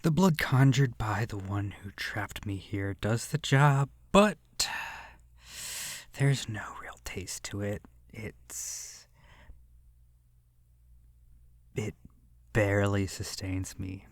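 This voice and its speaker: Slow, creaky, seductive vampire played by a man. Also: on the low side, dry recording. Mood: menacing, hungry. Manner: slow, hushed, lingering pauses, breathy whispering. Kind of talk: ASMR horror roleplay monologue. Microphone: close microphone.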